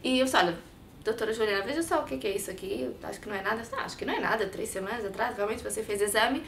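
Interview guest: woman, 30s, European Portuguese accent, expressive storyteller; lapel mic, slight room echo. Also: on the high side, racing, gravelly, a little hiss or hum. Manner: expressive, talks with her hands. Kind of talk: personal story in a sit-down interview. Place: bright studio set with sofa and shelves.

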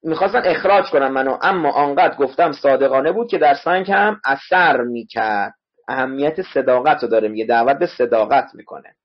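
A man's voice: medium pitch, lively intonation. A male literature teacher giving an online class lecture, explaining words one at a time and repeating spellings for his students. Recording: dull lo-fi online class audio.

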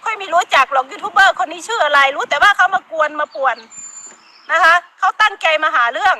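A middle-aged woman with an Isan accent scolds in a very high, bright voice during a heated live-stream rant. She talks outdoors in the countryside, with animals and outdoor noise faintly behind her. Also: lively intonation, a little fast. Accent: Northeastern Thai (Isan). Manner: scolding, emphatic, frequent laughter, Isan dialect words.

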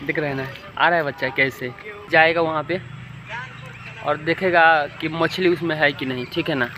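A young man speaks chattily to his viewers, sprinkling in English words. His voice sits a little high. The phone at arm's length picks up plenty of outdoor noise around him. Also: fairly even intonation, normal speed. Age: young adult. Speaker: vlogger. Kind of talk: casual outdoor vlog. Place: outdoors by a pond and river. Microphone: phone held at arm's length. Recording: noisy outdoor phone recording.

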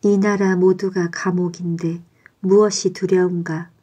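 A woman reading the lines of a determined teenage girl patriot in a bedtime storybook, earnest and resolute, slow and mellow. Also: fairly low pitch, flat delivery, husky, muffled recording. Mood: defiant.

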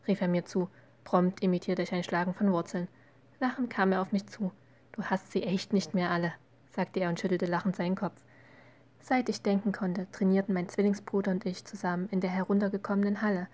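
A woman reading her own first-person novel aloud as an audiobook, at a steady, even pace. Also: on the low side. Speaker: amateur audiobook reader.

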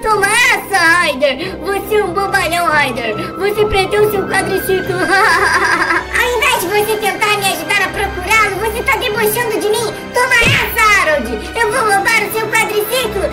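A woman's voice: very high-pitched, moderate pace. A woman voicing a whiny, defensive, bickering cartoon villain in an improvised gaming skit. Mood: squabbling, whiny. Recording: loud music behind the voice.

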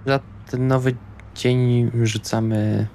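A man's voice: mid-range voice, level tone, takes it slowly, warm tone. A man talking casually as a player in a tabletop roleplaying game. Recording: faint background ambient noise.

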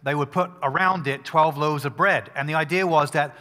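A male pastor preaching a sermon at a pulpit microphone, talking in an emphatic, conversational way with quick restarts. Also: fairly high pitch, fairly even intonation, pushed and bright, in a large hall.

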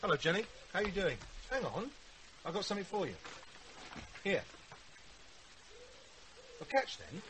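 A man's voice: sits high, sing-song, unhurried, long pauses, noisy background. An actor playing a breezy but easily irritated Englishman come home, in a radio drama.

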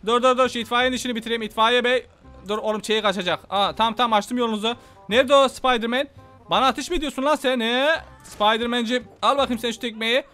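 A young man commenting excitedly on a game he is playing, talking to viewers and taunting enemies. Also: very high voice, fast talker, soft background music. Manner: excitable, banters with enemies, addresses viewers as friends. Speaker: gaming YouTuber. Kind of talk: Let's Play commentary.

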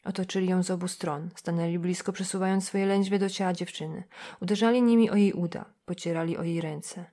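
Kobieta, lektorka audiobooka, czytająca powieść w spokojnym, wyważonym tempie. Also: female voice, fairly low pitch. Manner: measured, even reading. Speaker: audiobook narrator. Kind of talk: scripted novel narration.

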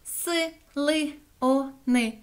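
A woman voicing a clever, stubborn little female dog in a storybook reading, high and insistent. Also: drawn-out words. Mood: excited.

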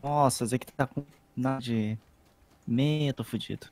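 A man's voice: mid-range voice, steady tone, unhurried, a little mellow, slight background noise. A man with a Brazilian Portuguese accent, a teammate in a gaming squad, talking playfully and laughing between lines. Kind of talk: casual gaming chatter.

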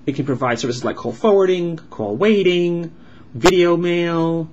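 A man voicing a signed vlog as an interpreter, explaining in halting phrases with uneven pauses. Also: on the high side, a little mellow. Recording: dull lo-fi sound with clear background noise.

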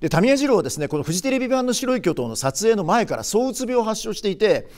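A man in his sixties talks through film history as a show host, in a casual, explaining manner full of small filler pauses. His voice sits a little high and swings widely in pitch, which keeps the commentary lively.

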